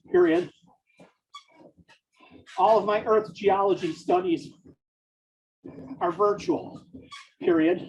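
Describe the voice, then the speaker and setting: A writer dictating a story aloud in a slow, deliberate way, pausing between phrases and speaking every punctuation mark. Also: mid-range voice. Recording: dull, distant mic.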